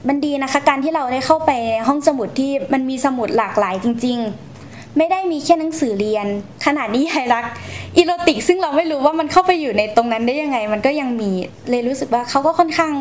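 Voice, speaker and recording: A woman's voice: high-pitched, quick pace, a little hiss or hum. A young woman, answering interview questions in a polite, explanatory manner as she recounts her experiences. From Thailand. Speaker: guest storyteller.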